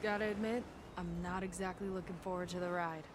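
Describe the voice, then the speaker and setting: A woman playing a troubled, candid young tribal warrior in a game cutscene, speaking earnestly and haltingly. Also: on the low side, steady tone, background noise, natural voice. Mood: practical, resolved. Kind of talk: video game cutscene acting. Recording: clear ambient game sound behind voice.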